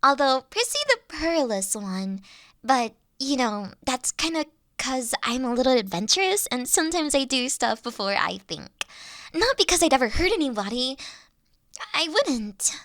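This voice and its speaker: A woman's voice: sits high, big pitch swings, normal speed, a bit bright, dry recording, studio quality, heavily acted. A woman playing a huge, friendly, nerdy young dragon college student in a roleplay audio drama, talking in a bubbly, awkward, hesitant way. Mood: sheepish, chatty.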